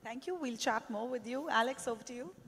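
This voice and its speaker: A woman's voice: fairly high pitch, brisk, breathy edge. A woman in her thirties moderating a panel on a conference stage, chatty and anecdotal with many fillers, into a handheld mic. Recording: long hall reverb.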